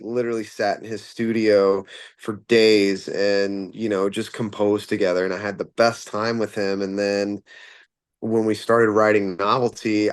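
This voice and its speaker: A man's voice: lowish voice, clear, resonant tone, dry recording. A man who fronts a rock band, answering interview questions casually and rambling with plenty of fillers and restarts.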